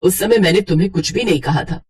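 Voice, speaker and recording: A middle-aged mother-in-law in a cartoon story, voiced by a woman. She speaks in a lowered, husky voice, firm and measured as she gives orders and guidance. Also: darkish tone. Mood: scolding.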